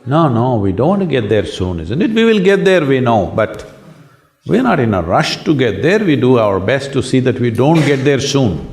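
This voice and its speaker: A hoarse man with an Indian English accent answering student questions in a public talk, asking rhetorical questions and inviting agreement. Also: mid-range voice, very animated, moderate pace, a little mellow. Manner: rhetorical, asks the audience to agree. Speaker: spiritual speaker answering questions. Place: large lecture hall with an audience.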